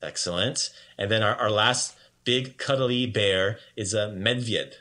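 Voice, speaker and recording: Man, language teacher, upbeat and chatty, slow clear repetitions, bright voice. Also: on the low side. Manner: upbeat, chatty, repeats words slowly for learners. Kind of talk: casual puppet-show language lesson.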